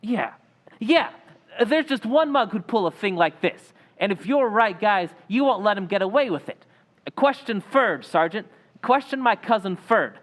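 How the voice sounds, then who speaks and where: Man playing a brash young tough, high-pitched. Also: animated, measured pace, fairly bright tone. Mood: desperate, protesting. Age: young adult. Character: defiant young male suspect, brash slangy tough talker. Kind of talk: old-time radio drama acting.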